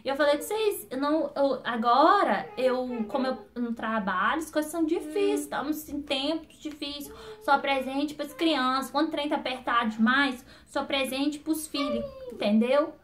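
A woman's voice: sits high, a bit bright. A woman vlogging casually to camera, rambling and jumping between topics as she talks to her viewers. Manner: chatty, quick-talking, addresses viewers directly.

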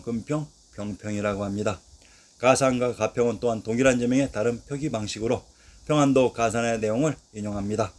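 A man's voice of middling pitch carries a scripted history narration, listing ancient place names one by one. He keeps a steady, recited rhythm and lets every list drop at the end.

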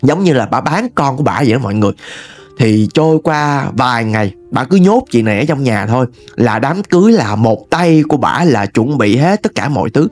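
Animated Southern Vietnamese male storyteller. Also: mid-range voice, a little fast, faint music behind. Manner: animated, chatty, addresses listeners directly. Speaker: ghost story narrator. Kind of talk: storytelling narration.

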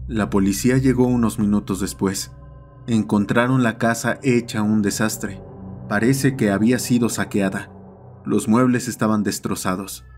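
A man reading scripted first-person horror narration in the role of an emergency dispatcher. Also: lowish voice. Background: dark ambient music.

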